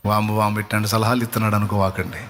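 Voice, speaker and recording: A man's voice: lowish voice, flat delivery, rapid-fire, fairly bright tone, slight background noise. A male pastor giving an earnest sermon to a congregation, speaking with a Telugu accent and stressing his points by repeating them. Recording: long hall reverb.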